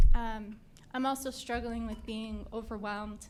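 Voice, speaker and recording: With an American accent, a woman speaks shakily at a fairly slow pace, her pitch fairly high with ordinary variation, and the room echo is audible. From Long Island, New York. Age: 30s. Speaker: audience member. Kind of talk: audience question. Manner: shaky.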